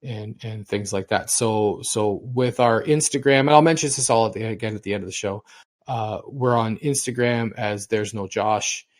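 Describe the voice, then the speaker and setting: Speaking at a normal speed with a voice on the low side, a middle-aged man co-hosts a laid-back podcast. He tells long, meandering tales, frequently repeats himself, and restarts words.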